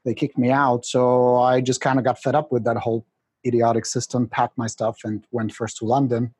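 Husky, exuberant man. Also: mid-range voice, flat delivery, moderate pace, darkish tone, no echo. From Czechoslovakia. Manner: exuberant, jokey storyteller. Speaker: guest. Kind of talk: podcast interview.

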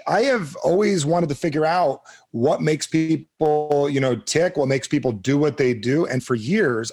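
Emphatic man from New Jersey, casual guest. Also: medium pitch. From New Jersey, United States. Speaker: guest, author and coach. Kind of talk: casual interview talk.

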